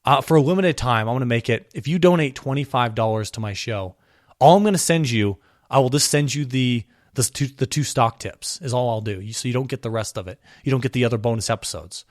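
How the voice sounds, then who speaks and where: A man hosting his solo podcast, talking straight to his listeners with rising passion. His voice sits in a middle pitch and climbs when he gets worked up. He is a bit hoarse from a cold, and the room sounds dry and close. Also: a little fast, no echo. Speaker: podcast host.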